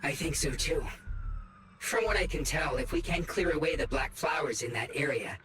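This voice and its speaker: A man voicing a polite, helpful small robot companion in a video game, measured and formal. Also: fairly high pitch, distant mic, background noise, close to an everyday voice. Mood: helpful, calm. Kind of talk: dramatic video game dialogue. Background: game music.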